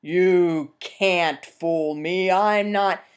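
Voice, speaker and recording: A woman voicing a hungry, bullying male bear in a told folk tale, slow and menacing. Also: fairly low pitch, smooth.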